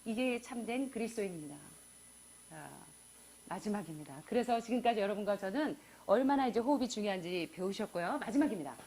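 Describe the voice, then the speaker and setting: A woman's voice: medium pitch, expressive, brisk, mellow, breathy edge. A middle-aged woman giving a faith-based health lecture, emphatic, questioning the audience often and acting out countdowns.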